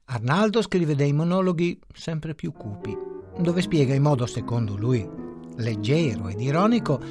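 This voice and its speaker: A man narrating a short story in a measured, ironic storytelling manner. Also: on the high side, animated. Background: faint music.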